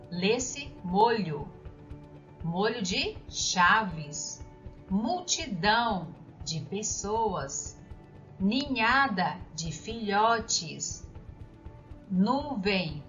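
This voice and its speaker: A woman teacher giving a recorded lesson, speaking slowly and clearly and putting questions to the listener. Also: medium pitch, a bit bright. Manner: slow, clear, didactic, asks the listener questions. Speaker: primary school teacher. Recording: dull lo-fi sound with faint background music.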